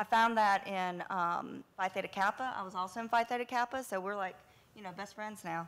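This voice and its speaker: With an ordinary speaking voice, a woman talks at a medium pitch and a moderate pace. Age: 30s. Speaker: transfer student, Marine veteran. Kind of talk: panel discussion.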